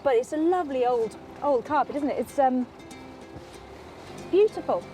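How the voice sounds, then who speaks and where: A woman's voice: high voice, lively intonation, normal speed, warm tone, soft background music. A woman presenter chatting casually and enthusiastically outdoors at a recycling centre. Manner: bubbly and enthusiastic. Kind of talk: casual on-location chat.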